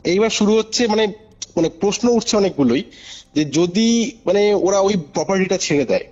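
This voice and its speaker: A man's voice: sits high, animated, moderate pace, a little mellow. A man telling a story informally as a caller, emphatic, repeating phrases and checking that the listener follows, over a phone. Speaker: caller recounting a paranormal case. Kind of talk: animated informal spoken storytelling. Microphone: phone call. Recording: muffled phone call recording over music. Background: music.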